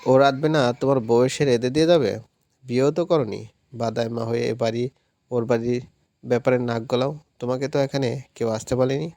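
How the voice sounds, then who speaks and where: A scornful middle-aged mother with a sharp tongue, snapping her retorts, as a male reader puts her on. The voice has a gravelly rasp and a dry, close sound. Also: medium pitch, steady tone, a little fast, no echo, lightly acted.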